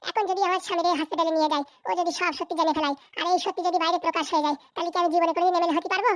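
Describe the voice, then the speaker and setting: Cartoon villain mother, extremely high childlike pitch, rapid-fire, bossy, ruthless, scheming. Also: fairly even intonation. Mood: cold scheming. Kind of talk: Bangla comedy cartoon dialogue.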